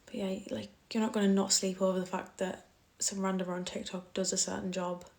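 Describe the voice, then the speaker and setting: A woman's voice: medium pitch, flat delivery, fairly quick, gravelly, a little mellow. A young woman with a Cumbrian accent, chatting casually on a phone live stream, reading out comments and bluntly brushing off trolls. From Cumbria, England. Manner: blunt, dismissive toward trolls, laughs easily.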